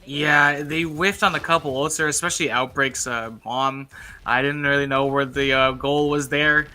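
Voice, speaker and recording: A man's voice: medium pitch, fairly even intonation, normal speed, pushed and bright. A man giving casual color commentary on a live esports match, analysing plays with plenty of filler words.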